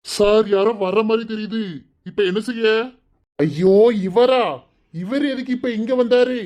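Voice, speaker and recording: A man voicing a nervous male jewel thief in a cartoon, talking in a hurried rush with a Kanyakumari Tamil accent. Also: high-pitched, darkish tone. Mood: panicky. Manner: hurried, anxious, rapid.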